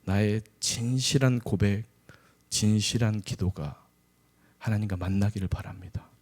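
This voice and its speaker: A man's voice: lowish voice, unhurried, a little mellow. A middle-aged man, an associate pastor, preaching a conversational sermon with humorous asides.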